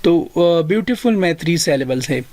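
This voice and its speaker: A man with a South Asian accent giving a language lesson as a teacher, deliberately explaining and repeating phrases for learners. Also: a little high, lively intonation, darkish tone, no echo. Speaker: English teacher.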